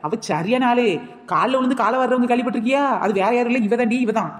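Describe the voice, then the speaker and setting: Fast, sassy woman with a Kanyakumari Tamil accent. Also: on the high side, big-room sound. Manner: quick, sassy and mocking. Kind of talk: comic family skit.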